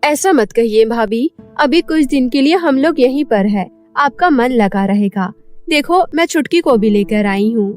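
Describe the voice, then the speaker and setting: A woman voicing a gentle, caring village mother in a cartoon story, speaking softly and earnestly. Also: on the high side, expressive, unhurried, faint music behind. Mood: consoling. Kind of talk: Hindi cartoon story dubbing.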